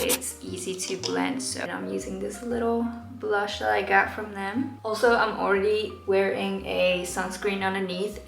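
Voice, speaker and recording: A young woman with a Japanese accent, soft and relaxed, filling her talk with little "um"s and "like"s as she walks through a makeup routine. Her voice sits in a middle register. It bounces off the hard walls of a small home bathroom, with faint music underneath. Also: medium pitch, gravelly. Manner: soft-spoken, relaxed, many fillers. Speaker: makeup vlogger and dancer. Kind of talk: casual makeup tutorial talk. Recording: roomy bathroom echo.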